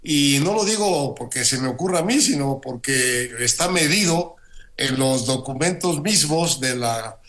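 A Mexican man with the flu giving measured, wry commentary as a regular guest, with many hesitant pauses. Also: medium pitch, expressive, fairly bright tone. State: has the flu. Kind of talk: opinion commentary on air.

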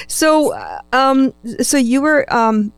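A woman's voice: high-pitched, huge pitch swings, very slow, clean tone, dry recording, soft background music. A woman interviewing a guest in a conversational style, encouraging and responsive. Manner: encouraging, frequent backchannel responses.

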